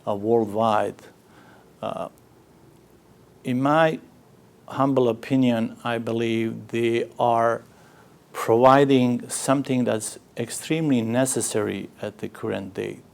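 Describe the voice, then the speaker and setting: A middle-aged man from Sarajevo with a Bosnian accent, speaking English in a halting way with many "uh" fillers as he tells his story in an interview. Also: medium pitch, fairly even intonation, vocal fry. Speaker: interviewee, community organizer. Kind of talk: personal testimony in an interview.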